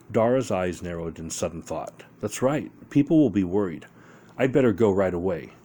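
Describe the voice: The clip is plain reading aloud, carried by lively intonation.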